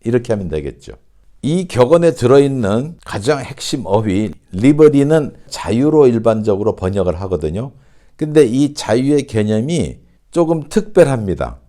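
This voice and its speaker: A man teaching an online English pronunciation lesson, speaking slowly and deliberately and repeating example sentences. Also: mid-range voice, very animated, mellow.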